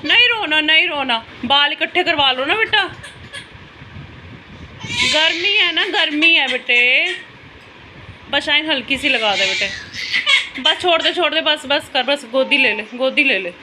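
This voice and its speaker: A chatty woman talks through her evening at home, coaxing her little ones along. Her voice sits a bit high. The phone recording has a steady hum of household noise behind her. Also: unhurried, pauses often. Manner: chatty, coaxing and soothing toward her children. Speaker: mother and family vlogger. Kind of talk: casual home vlog talk. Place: home indoors at night.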